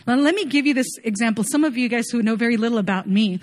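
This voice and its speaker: Earnest higher-voiced woman preaching. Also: fast. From Chile. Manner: earnest, conversational, frequent "like" fillers. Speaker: worship leader preaching. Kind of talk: sermon.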